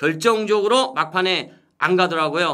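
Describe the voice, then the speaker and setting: Ordinary pitch variation runs through a voice whose tone is bright and sharp. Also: man. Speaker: horse racing tipster. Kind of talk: solo racing tips broadcast. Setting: solo online broadcast. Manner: fast; frequent filler hesitations.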